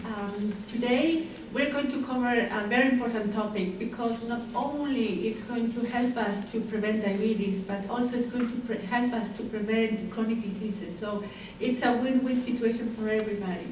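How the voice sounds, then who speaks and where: A woman's voice: fairly high pitch, normal speed, a little mellow. Argentine-accented woman speaker in echoey room. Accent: Argentine Spanish. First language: Spanish. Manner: hesitant, restarts phrases, frequent ums. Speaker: dietitian and guest speaker. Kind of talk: community health talk. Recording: echoey room, distant mic, faint noise.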